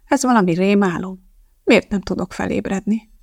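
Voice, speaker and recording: A woman's voice: mid-range voice, creaky, no echo, clean studio sound. A woman reading the part of a nervous, sweating male TV producer, who talks in a strained, flustered way. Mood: despairing.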